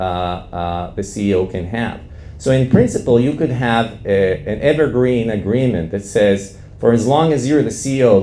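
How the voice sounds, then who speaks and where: A man in his forties giving an academic panel presentation in a halting, explanatory way into a handheld microphone. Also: mid-range voice, warm tone. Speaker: law professor, conference panelist. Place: classroom-sized indoor conference room with audience. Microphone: handheld microphone close to mouth. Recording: roomy, echoing conference room sound.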